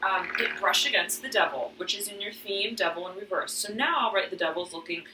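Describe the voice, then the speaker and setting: A woman giving a tarot reading, slightly hoarse and often clearing her throat. She meanders through restarts and fillers and keeps saying "I'm hearing.". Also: medium pitch, a little fast, echoey room, distant mic, noisy background. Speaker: tarot reader. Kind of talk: spiritual reading to camera.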